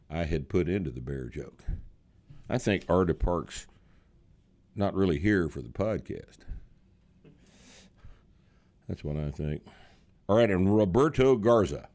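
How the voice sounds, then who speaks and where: A man's voice: low-pitched, a little mellow. A man in his sixties hosting a podcast, chatting in a blunt, sarcastic, joking way. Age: 60s. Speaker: podcast host. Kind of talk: casual chat.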